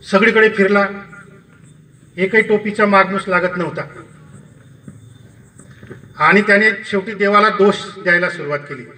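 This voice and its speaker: A man at an outdoor village campaign rally, telling a folk tale to the crowd in a lively storytelling manner. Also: high-pitched, normal speed, pauses often, recorded from a distance, low-quality recording. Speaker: campaign speaker.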